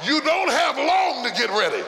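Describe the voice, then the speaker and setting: A man with a very high voice and big pitch swings preaches a rousing revival sermon at normal speed, roaring and rallying as he exhorts the congregation with emphatic repetition. It is recorded live, with music and crowd noise from the congregation behind him.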